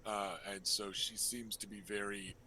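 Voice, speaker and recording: A man working as game master, narrating a tabletop role-playing game in a casual, halting, improvised way. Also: on the low side, level tone, sharp tone, a little hiss or hum, rough recording.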